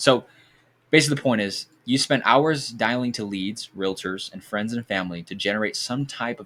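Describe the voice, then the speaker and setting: This man speaks at a fairly quick pace and medium pitch, with ordinary pitch variation. The recording is very clean, with a silent background. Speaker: mortgage business co-founder. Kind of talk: sales pitch. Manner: fast; casual, halting with fillers.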